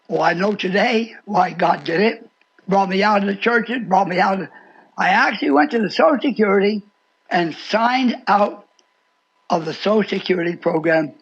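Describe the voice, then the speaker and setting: Elderly male preacher in his 80s, very high husky voice, theatrical folksy delivery, muffled lo-fi radio sound. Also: a bit bright. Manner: theatrical, acts out dialogue, repeats phrases for emphasis. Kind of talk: folksy storytelling sermon. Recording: dull lo-fi shortwave radio sound.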